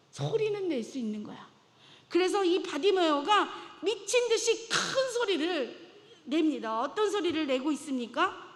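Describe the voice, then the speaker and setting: A woman delivers a sermon with a high voice, retelling a Bible story with dramatic flair. Her speech rings with the long reverb of a church sanctuary. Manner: dramatic, acts out biblical voices. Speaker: preacher.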